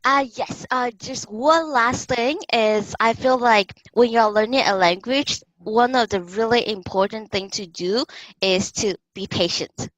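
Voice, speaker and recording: A woman's voice: fairly high pitch, fairly bright tone, no echo, low-quality recording. A woman who teaches languages online, speaking in an upbeat, enthusiastic way in a casual interview. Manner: upbeat, enthusiastic, quick to react. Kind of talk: casual video-call interview.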